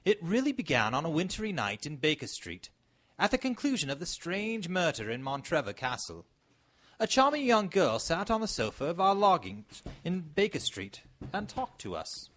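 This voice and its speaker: A man playing a genial, courteous gentleman doctor telling his adventures in an old-time radio drama. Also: on the high side, wildly swooping pitch, moderate pace, full character voice. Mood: reminiscing. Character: genial English gentleman doctor, Sherlock Holmes's companion, reminiscing. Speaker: radio play actor narrating as the doctor.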